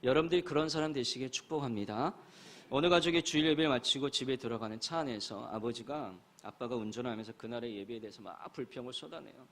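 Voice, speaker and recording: A man's voice: medium pitch, fast, fairly bright tone. A man preaching a sermon as a guest pastor, earnestly telling stories and addressing the congregation directly.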